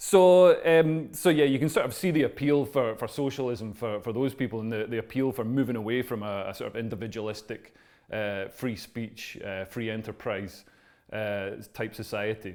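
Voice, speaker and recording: At a moderate pace and a medium pitch, a man with a Scottish accent talks with ordinary pitch variation. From Scotland. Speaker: comedian. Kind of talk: interview answer. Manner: conversational, hesitant.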